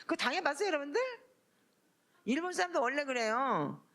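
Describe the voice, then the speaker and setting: Blunt, lively woman pastor testifying. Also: sits high, brisk. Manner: blunt, earthy, colloquial storytelling. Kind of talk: emotional sermon testimony.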